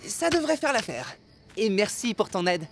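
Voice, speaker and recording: A grown-up cartoon traveller, with a medium-pitched voice. She is folksy and kindly and thinks out loud in a slightly puzzled way. Music plays clearly behind her. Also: big pitch swings, normal speed. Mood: kindly, musing. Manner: musing aloud to herself. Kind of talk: animated children's series dubbing.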